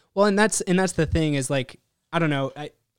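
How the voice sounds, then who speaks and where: An unremarkable speaking voice with an American accent and ordinary pitch variation comes through with a dry, close sound and no echo. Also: man. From US Pacific Northwest (Bend, Oregon). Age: 20s. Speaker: podcast host. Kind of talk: casual chat. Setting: video call.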